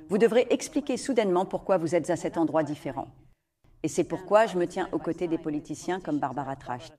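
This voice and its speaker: A woman voicing the translated answers of an interview guest in an even, read-out manner. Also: deep voice. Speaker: dubbed voice-over of the guest. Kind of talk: translated voice-over.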